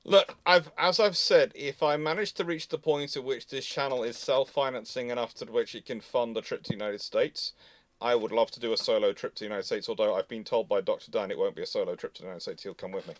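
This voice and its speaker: A man's voice: mid-range voice, steady tone, fast, no echo. A man hosting a livestream, chatting casually in a rambling, digressive way. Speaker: live stream host.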